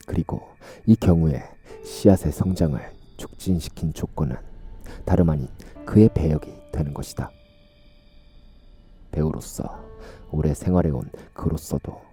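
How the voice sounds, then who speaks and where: A man narrating a horror radio story in a slow, musing, hushed way. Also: low voice, slightly rough.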